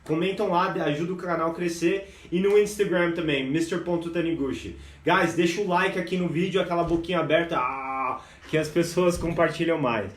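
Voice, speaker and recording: A Brazilian man with a fairly high voice, giving a lively English lesson on a live stream. He speaks with a Brazilian Portuguese accent and keeps calling his viewers "guys". The sound is echoey, and he sits a little back from the mic. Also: moderate pace, hardly any pauses, far from the mic. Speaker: English teacher. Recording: echoey room, voice a bit off-mic.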